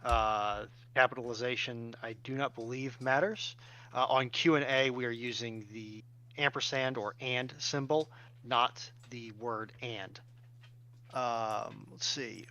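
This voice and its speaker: Stream tech guy, forceful bright voice but lo-fi call audio, explains stuff in a measured way. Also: medium pitch, steady tone. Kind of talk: explanatory announcement.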